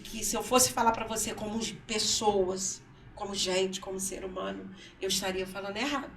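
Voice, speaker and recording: A woman with a gravelly, creaky voice tells a personal story in an interview, acting out the words of the people in it. She sits a little away from the mic in a roomy studio, with faint background noise. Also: mid-range voice, far from the mic. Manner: storytelling, acts out her son's words, often repeats herself. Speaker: guest, mother. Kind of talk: emotional personal testimony in interview. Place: council studio.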